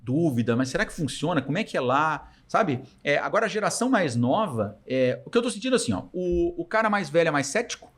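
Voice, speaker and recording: A startup founder with a southern Brazilian accent chats as a podcast guest in casual interview talk, slangy and anecdotal, acting out snippets of imagined dialogue. His slightly bright voice is on the high side, very animated and fast, with few pauses.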